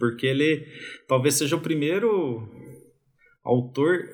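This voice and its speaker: A man with a fairly high, somewhat breathy voice speaks at a fairly slow pace. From Brazil. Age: 30s. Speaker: classics professor. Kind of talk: casual interview chat.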